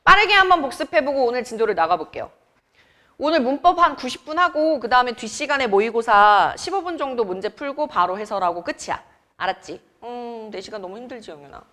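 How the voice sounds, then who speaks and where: A woman's voice: a little high, expressive, fairly quick, pushed and bright. A young adult woman from Seoul teaching grammar in a classroom, chatty and teasing as she quizzes her students. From Seoul, South Korea. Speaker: academy Korean teacher. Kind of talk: classroom lecture.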